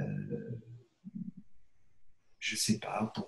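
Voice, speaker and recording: Somewhat breathy, the voice comes through. Its tone is dark and mellow. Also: man. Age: 60s. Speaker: theatre director. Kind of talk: interview. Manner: halting, many hesitations.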